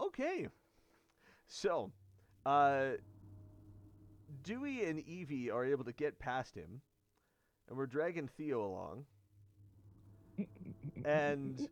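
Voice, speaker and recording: A man narrating as game master of a tabletop game, animated and quick to laugh. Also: mid-range voice.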